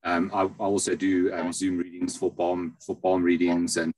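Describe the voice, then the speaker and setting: Male interview guest, low voice, explanatory, halting phrasing, on a video call. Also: monotone, darkish tone, a little hiss or hum, rough recording. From South Africa. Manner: halting, pausing often mid-phrase. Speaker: interview guest, astrologer and palm reader.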